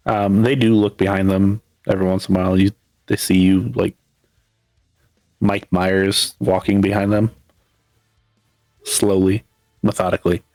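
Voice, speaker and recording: A man's voice: deep voice, a little mellow, no echo, rough recording. A man narrating a tabletop role-playing game as storyteller, rambling with many fillers. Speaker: game master.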